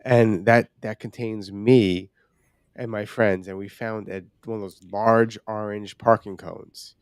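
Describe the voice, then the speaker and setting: A male podcast co-host with a fairly low voice in a very dry recording. He talks casually and informally, with swearing mixed in. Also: fairly even intonation, slow pace, clear, resonant tone, no room sound. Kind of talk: casual chat.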